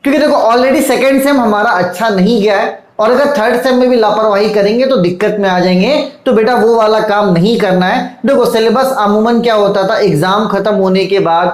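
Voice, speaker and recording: A male teacher giving an online lecture to students, coaxing and fatherly, often pausing to check "okay?" and "look". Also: high voice, reverberant, rough recording. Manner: repeats checks like "theek hai" and "dekho".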